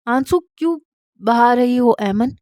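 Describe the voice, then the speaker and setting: A woman's voice: on the high side, lively intonation, a little mellow, no room sound, studio quality, natural voice. A woman voicing a shy young husband who stutters on the first sounds of his words. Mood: hurt.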